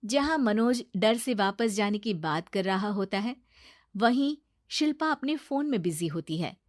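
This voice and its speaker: A woman narrating a cartoon story in a steady, plain storytelling manner. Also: mid-range voice, measured pace, no room sound, clean studio sound.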